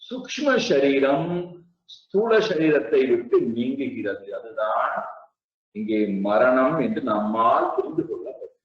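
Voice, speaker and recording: A man giving a spiritual discourse, speaking slowly and deliberately and repeating his rhetorical questions. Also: mid-range voice, lively intonation. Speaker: spiritual teacher. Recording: echoey, distant, dull lo-fi sound.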